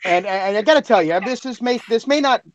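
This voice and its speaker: Earnest male podcaster, fairly high voice, halting, dull low-fi sound. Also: lively intonation, slight background noise. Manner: earnest, halting, repeats himself. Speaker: podcast creator and co-host. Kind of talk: casual group chat over mics.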